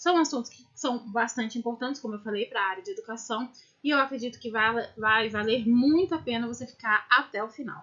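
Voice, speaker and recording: Talking at a fairly quick pace with hardly any pauses, a woman uses a fairly high pitch, ordinary pitch variation and big swings in loudness. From Brazil, Federal District. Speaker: education teacher. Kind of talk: educational tutorial. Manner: fast.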